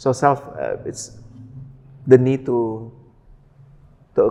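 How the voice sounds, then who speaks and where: A man with an Indonesian accent. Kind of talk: podcast conversation.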